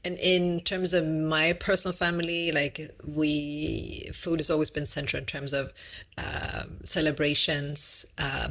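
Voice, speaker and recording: A woman, a guest speaking casually in a thoughtful way with many pauses and restarts. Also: low voice. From East Africa. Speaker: guest, nonprofit founder. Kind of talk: casual interview.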